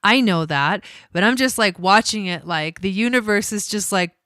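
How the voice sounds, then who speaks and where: Argentine-born woman rambling about astrology on a live stream, casual, swears a lot, mid pitch, dry close sound. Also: normal speed, a bit bright, no room sound. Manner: chatty and swears freely, with many fillers. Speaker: astrologer host. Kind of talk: casual livestream talk.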